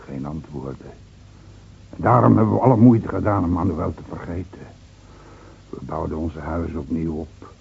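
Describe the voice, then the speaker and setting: An actor playing a guilt-ridden, excitable mountain villager in a Dutch radio drama. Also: male voice, low voice, creaky, slightly rough, heavily acted. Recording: dull, faintly noisy old radio recording.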